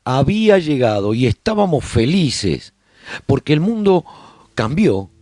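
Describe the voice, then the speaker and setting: A man's voice: medium pitch, very animated, measured pace, dark tone, no echo. A man playing a survivor who tells his community's story to listeners in a radio serial, speaking conversationally and directly to them. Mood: reflective storytelling. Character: male survivor broadcasting his community's story after humanity's collapse.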